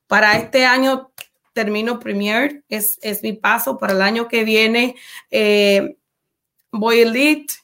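Woman, coach, interview guest, fervent, religious, fairly high voice. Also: steady tone, a bit bright. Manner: fervent, religious, quick-talking. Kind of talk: casual interview testimony.

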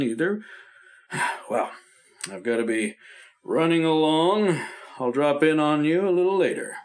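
Steady family doctor, old radio play, patient and firm, slightly high voice. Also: male voice. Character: calm reassuring male family doctor. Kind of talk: 1950s radio drama acting.

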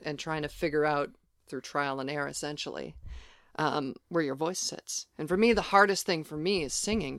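A woman's voice: low voice, no echo. Dry, practical trans woman explaining. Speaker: podcast co-host. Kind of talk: casual conversation.

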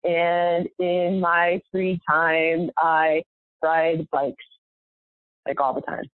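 An American woman in her thirties with vocal fry and a slight cold, introducing herself casually on a group call. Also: lowish voice, level tone, very slow, no echo. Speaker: pastor, panel guest. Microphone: remote call, close and dry. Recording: dull, lo-fi call audio.

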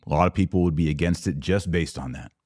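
A man hosting a Catholic podcast, giving a sermon-like explanation in an emphatic, deliberate way with dramatic pauses. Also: low voice, darkish tone, no echo, studio quality.

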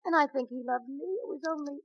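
Actress as a grieving sweetheart, high soft voice, dry dull vintage radio. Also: female voice, fast talker, dry recording, close to an everyday voice. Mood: sorrowful. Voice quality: soft, tearful. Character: sorrowful woman, dead crook's sweetheart. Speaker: grieving girlfriend of a murdered man. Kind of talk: 1940s radio acting. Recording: dry muffled old radio recording.

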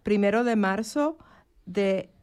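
A woman's voice: medium pitch, slow, darkish tone, smooth. A woman hosting a live radio interview in Spanish from a studio booth, friendly and conversational. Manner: friendly, conversational, some restarts. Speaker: radio host. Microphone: studio microphone.

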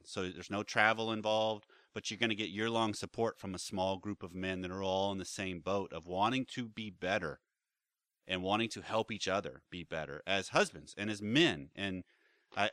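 A man with a fairly low, smooth, bright voice co-hosts a podcast in a relaxed, chatty way. He is recorded close and dry. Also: fairly quick, no room sound. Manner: relaxed, affirming back-channel replies. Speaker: podcast co-host. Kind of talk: casual chat.

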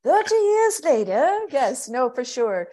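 A woman from Pittsburgh, a stage actor, speaking as a guest on a podcast in a thoughtful, measured way. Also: sits high, sing-song. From United States (Pittsburgh). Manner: thoughtful, measured, often laughing softly. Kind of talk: casual podcast interview.

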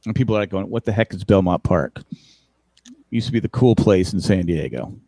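A man's voice: low voice, brisk, vocal fry, dark tone, slightly rough, no room sound. A man in his fifties co-hosting a casual chat, rambling and correcting himself as he talks. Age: 50s. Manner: rambling, self-correcting, wry about aging. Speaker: podcast co-host.

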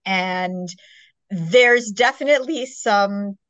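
A woman's voice: medium pitch, slow pace, fairly bright tone, no echo, dull audio. A woman hosting a podcast, chatting casually about books in a peppy, enthusiastic, gushing way. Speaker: podcast host. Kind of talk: casual book chat interview.

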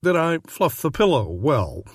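An actor playing a calm, patient psychiatrist speaking in a soothing, measured, clinical way in a comic radio play. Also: male voice, fairly high pitch, slightly rough, no room sound, full character voice.

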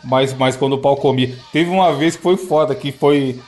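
A man's voice: medium pitch, normal speed, darkish tone, soft background music. A man hosting a casual podcast, telling stories in a slangy, profane way and laughing often. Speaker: podcast host.

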